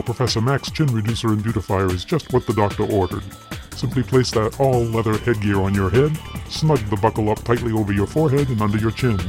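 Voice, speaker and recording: A man reading a mock vintage commercial as an earnest sales pitch. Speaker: commercial narrator. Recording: voice over loud music.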